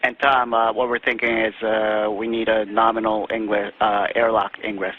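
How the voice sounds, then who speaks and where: A man, a spacecraft crew member, speaking in flat, clipped radio talk over a tinny space-to-ground radio transmission. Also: fairly low pitch, moderate pace. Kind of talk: terse radio communication. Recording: narrow-band radio link, lo-fi.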